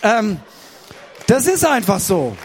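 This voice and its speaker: A pastor from Germany preaching a sermon, retelling a story with lively acted-out voices. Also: male voice, high-pitched, slow pace, a faint crowd. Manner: animated storytelling, acting out the disciples' voices. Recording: hall with long reverb.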